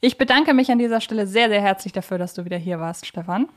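A woman's voice: mid-range voice, fast. A woman hosting a podcast, talking in a conversational discussion style. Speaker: podcast host.

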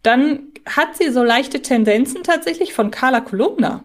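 A woman's voice: high voice, expressive, moderate pace. A woman co-hosting a podcast, talking conversationally in a fan discussion. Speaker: podcast co-host.

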